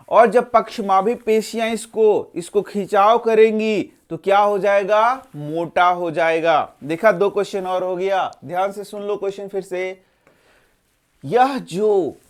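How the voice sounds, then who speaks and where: A male teacher running an exam-prep lesson, posing questions to the students, answering them himself and repeating each answer. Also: high voice. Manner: role-plays a tired student's interruptions.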